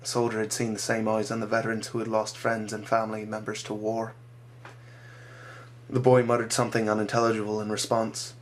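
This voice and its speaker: A man reading his own dramatic short story aloud, measured and slowing for grim moments. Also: lowish voice, completely flat delivery, slight background noise.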